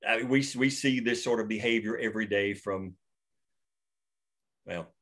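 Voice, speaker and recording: A man's voice: lowish voice, a little slow, a bit bright. A man hosting a table read discussion, rambling and opinionated as he goes off on tangents over a video call. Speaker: writer and host of the table read. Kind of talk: casual discussion.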